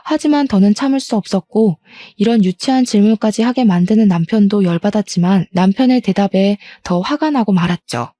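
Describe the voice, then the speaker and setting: A woman's voice: mid-range voice, warm tone, dry recording. A young woman telling her own story in the first person, in a confiding and aggrieved way.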